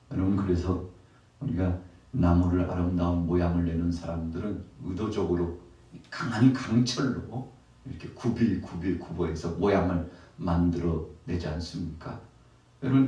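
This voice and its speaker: A man's voice: low voice, darkish tone. A male pastor preaching a Wednesday sermon, building to emphatic peaks and addressing the congregation directly. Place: church sanctuary. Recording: very echoey church hall, voice from a distance.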